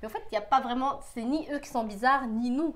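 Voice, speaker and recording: A woman hosting a casual interview, agreeing warmly with her guest and asking long, rambling questions. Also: high-pitched, fast. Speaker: host.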